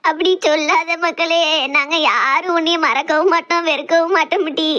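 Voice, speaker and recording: A woman's voice: extremely high pitch, steady tone, a little fast, pushed and bright, dull audio. A woman voicing a fretting village mother, who consoles her family in a soothing way. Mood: consoling.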